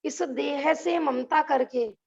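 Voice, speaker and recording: This religious class lecture comes from a woman whose high, gravelly voice has a darkish tone and a slow pace. She keeps asking her audience rhetorical questions and laughs between points, all on a dull, lo-fi recording.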